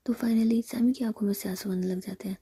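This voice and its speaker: A woman telling a story in whispered role-play, narrating softly and unhurriedly. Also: mid-range voice, steady tone, brisk, husky.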